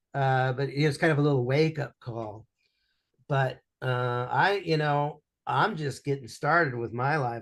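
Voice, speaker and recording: A man of medium pitch talks at a moderate speed, with pitch variation that is ordinary. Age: 60s. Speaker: business coach and mentor. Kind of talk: podcast interview. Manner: animated.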